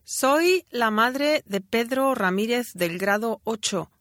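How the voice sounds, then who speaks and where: A woman playing a mother who leaves a voicemail for her son's school, speaking slowly, clearly and deliberately in a scripted exam listening dialogue. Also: a little high, lively intonation, noisy background.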